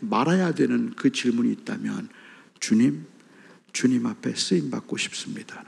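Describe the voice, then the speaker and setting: On a very clean recording with a silent background, a man with a high pitch speaks at a moderate pace with very wide pitch swings. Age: 60s. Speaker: pastor. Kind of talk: sermon. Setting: church retreat service.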